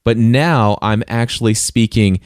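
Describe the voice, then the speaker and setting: A man's voice: medium pitch, a little slow, a little mellow, no echo. A man hosting a podcast, giving casual how-to advice close on a studio mic with enthusiasm. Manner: enthusiastic, demonstrates with sounds. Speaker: podcast host.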